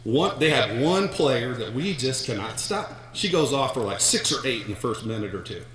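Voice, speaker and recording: Rambling and very animated, a middle-aged American accepts a hall of fame honor, telling stories with frequent restarts and repeated words. His medium-pitched voice moves at a moderate pace and has a fairly bright tone. The recording echoes in a large hall.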